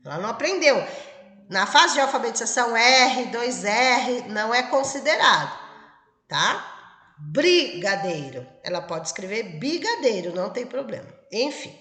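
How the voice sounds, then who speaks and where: Bright-voiced Brazilian woman teaching, echoey room. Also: fairly high pitch. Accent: Brazilian Portuguese. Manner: explanatory, checks in with "tá?" and "ok?". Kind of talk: exam-prep lecture. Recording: echoey room with long reverb.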